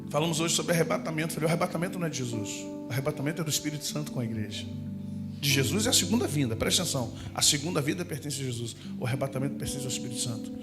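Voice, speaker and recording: Brief: Rio-male preacher, high voice, animated and joking, shouts for effect, music bed behind. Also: very fast. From Brazil. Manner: animated, humorous storytelling with shouted asides and impressions. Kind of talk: sermon.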